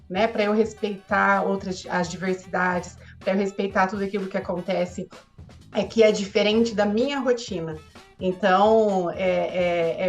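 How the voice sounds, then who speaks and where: A woman who works as an educational consultant, talking earnestly in a relaxed podcast conversation and often tagging her sentences with filler words. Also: medium pitch. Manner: earnest, frequent filler tags.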